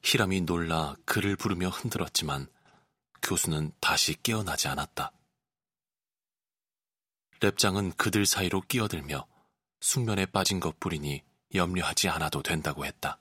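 A male voice actor giving scripted audiobook narration with expressive storytelling, recorded close on a studio mic. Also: deep voice, moderate pace, slightly rough, no echo.

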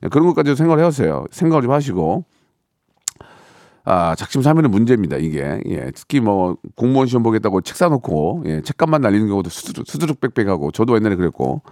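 A middle-aged radio host with a fairly low, slightly mellow voice talks fast and very animatedly into a studio microphone, with clean, echo-free sound. He jokes playfully and repetitively, reads listeners' messages aloud, and drifts into mock voices and snatches of song.

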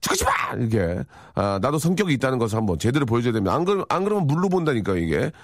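A middle-aged man hosting a radio show in a dry, close studio sound. His pitch swings widely as he jokes with listeners and acts out funny lines. He is playful and chatty throughout. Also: big pitch swings, rapid-fire, no room sound. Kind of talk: morning radio talk. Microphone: studio microphone.

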